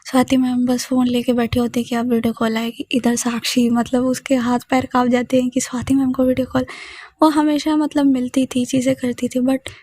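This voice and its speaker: A woman's voice: sits high, little pitch movement, fairly quick, mellow, no room sound. A woman narrating a romantic audio story in a casual, chatty way, full of conversational fillers.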